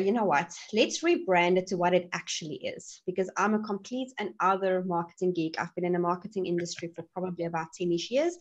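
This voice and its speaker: A woman's voice: on the low side, muffled recording. Eager woman presenting. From South Africa. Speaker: podcast guest. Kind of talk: casual presentation.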